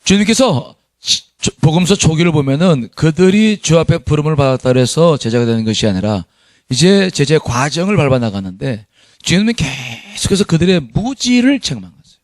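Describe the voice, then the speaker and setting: A middle-aged man preaching to his congregation, his fairly high voice swinging widely in pitch as he stresses his points. He reads scripture aloud and laughs at himself now and then. The sound is close and dry, with no room echo. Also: expressive, normal speed. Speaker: pastor. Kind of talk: sermon.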